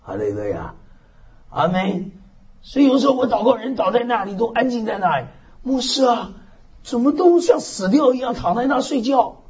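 A male pastor preaches with a high, lively voice that swoops up and down, punctuating his points with amen and hallelujah and dropping in the odd English word. The recording sounds slightly dull and lo-fi. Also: normal speed. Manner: animated preaching with frequent amens and hallelujahs; mixes English words into speech. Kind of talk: sermon.

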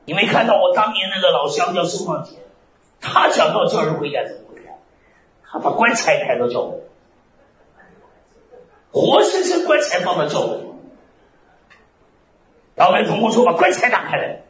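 A man's voice: sits high, normal speed, pauses often, background noise. Fiery preaching male pastor, roomy sound. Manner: animated preaching with sudden shouted phrases. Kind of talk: fiery sermon. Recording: roomy, slightly dull recording.

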